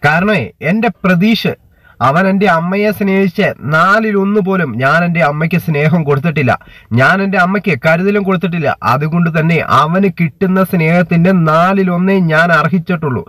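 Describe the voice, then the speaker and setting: A dutiful young son who speaks firmly and earnestly in a family drama, read by a man. His voice sits a little high, close to the mic with a dry, roomless sound. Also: brisk, fairly bright tone, no room sound. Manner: earnest, firm.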